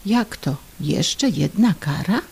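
A woman's voice: mid-range voice, very slow, darkish tone, husky, heavily acted. A woman voicing a boastful, tipsy middle-aged husband who blusters over drinks but turns meek and stammering before his wife.

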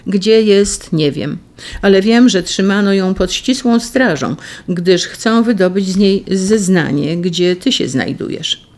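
A reader voicing a devoted young noble woman in an audiobook, urgent and pleading, with a gravelly edge. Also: mid-range voice, lively intonation, takes it slowly, darkish tone, pitched above the performer's own voice. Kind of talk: audiobook reading.

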